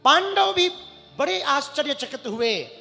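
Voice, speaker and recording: Male preacher, high bright voice, slow telling, acts out lines, reverberant hall with soft music. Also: lively intonation, creaky. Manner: acts out characters' lines, chants Sanskrit verses. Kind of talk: devotional storytelling sermon. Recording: large hall with long reverb, faint music.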